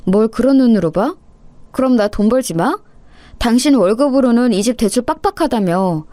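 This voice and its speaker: Woman reading young wife, exasperated, indignant, sharp retorts, fairly high voice, dry sound. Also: expressive, normal speed, no echo, lightly acted. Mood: bitter. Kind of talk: dramatized story reading.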